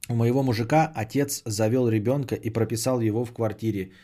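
A man's voice: medium pitch, fairly even intonation, brisk, dark tone. A man hosting a podcast, chatting casually and sardonically as he answers audience messages, often swearing and repeating phrases. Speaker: podcast host.

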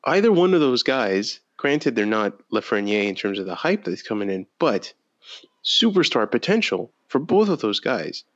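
Brief: male podcast co-host, animated storyteller, mid pitch, slightly dull recording. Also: moderate pace. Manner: animated storyteller, laughs often. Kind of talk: casual sports chat.

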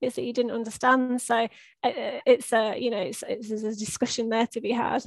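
A woman with an English accent, a hearing loss coach, chatting quickly as a podcast guest. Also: on the high side, flat delivery, gravelly, dry recording. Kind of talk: casual conversation.

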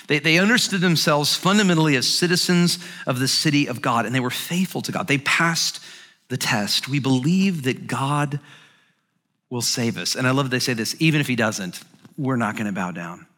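A man delivers a sermon with an animated, conversational energy, often stumbling over repeated words. His voice sits a little high and sounds bright and forceful. He slips into quoted voices to dramatize his points. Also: normal speed, long reverb tail. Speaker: pastor. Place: church sanctuary.

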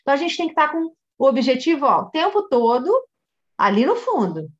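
High-voiced Brazilian woman teaching coaching. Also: brisk, dull audio. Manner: animated storytelling, acting out dialogue and addressing listeners directly. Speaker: family coach. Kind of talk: teaching by retelling a coaching session.

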